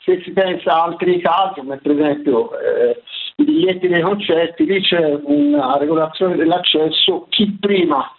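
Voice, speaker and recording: A man with a Tuscan accent, calling a radio show over the phone, talking in halting bits with many restarts. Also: a little high. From Tuscany, Italy. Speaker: caller. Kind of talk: call-in radio chat. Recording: tinny phone line.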